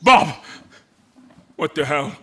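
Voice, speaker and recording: An actor playing a disoriented, indignant captive admiral, demanding and confrontational in an audio horror drama. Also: male voice, on the high side, expressive, takes it slowly, a bit bright, breathy edge, heavily acted. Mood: alarmed, angry.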